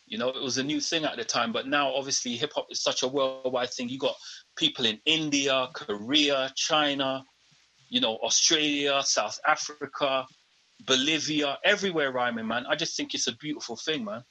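A man's voice: medium pitch, moderate pace, rough recording. A man in his fifties with a London accent, talking casually as a guest rapper in an interview. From England. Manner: relaxed, says "man" often.

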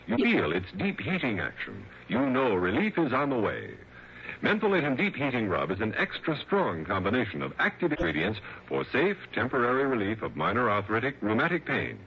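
A man's voice: on the low side, husky. A man reading a scripted radio commercial in an emphatic selling style. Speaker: commercial announcer. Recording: dull lo-fi old radio broadcast.

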